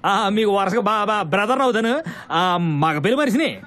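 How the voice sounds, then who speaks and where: An actor playing a nosy, grumbling wedding relative in a Telugu film comedy, chatty and needling. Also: male voice, high-pitched, lively intonation, normal speed, fairly bright tone.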